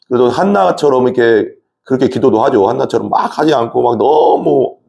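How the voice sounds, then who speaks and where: Mellow-voiced Korean pastor talking through scripture. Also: male voice, medium pitch. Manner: conversational, asks the listeners questions, frequent fillers. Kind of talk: Bible study sermon.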